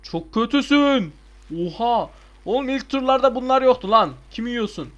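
A young man giving casual, excitable gameplay commentary, swearing and shouting at the game. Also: very high voice, moderate pace, lo-fi sound. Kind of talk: casual let's play commentary.

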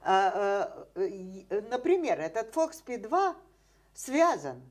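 Speaking at a middle pitch with a darkish tone and big pitch swings, an older scientist takes it slowly as an interview guest. She explains animatedly, full of fillers and rhetorical questions, seated indoors in a dim room.

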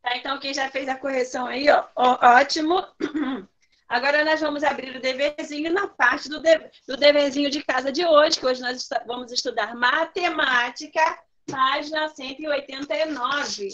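A patient woman teaches over a video call, calling on pupils by name and asking her questions again until they answer. Her voice sits high and bright. The call audio is dull and lo-fi. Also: fairly even intonation, moderate pace. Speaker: primary school teacher. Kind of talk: online class lesson.

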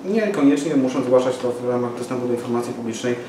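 A man's voice: mid-range voice, fast talker. A man in his forties making a press conference statement, hesitant with many fillers and restarts. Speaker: local party activist at press conference. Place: small office room with window. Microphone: far camera mic. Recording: echoey room from far off, noisy.

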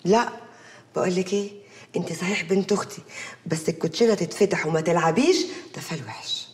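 A middle-aged actress with an Egyptian accent playing a blunt, dismissive aunt who talks brusquely. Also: female voice, on the low side, fast, lightly acted. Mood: brushing off. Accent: Egyptian Arabic. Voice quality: brusque, offhand. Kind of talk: TV drama acting.

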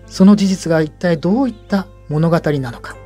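A man narrating a local legend from a script, in a solemn storytelling manner with deliberate pauses. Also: fairly high pitch, dark tone, husky, soft background music.

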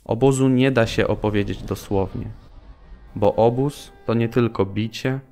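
An actor in an audio drama playing a grave camp prisoner giving testimony. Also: male voice, medium pitch, fairly even intonation, unhurried, warm tone, close to an everyday voice. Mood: grave, somber. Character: grave male Polish concentration camp prisoner recounting camp life. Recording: studio voice over background music.

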